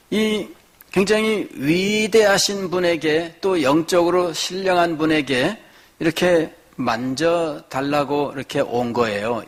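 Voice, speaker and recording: A man preaching a midweek sermon as pastor, explaining scripture and acting out quoted voices. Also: on the high side. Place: church.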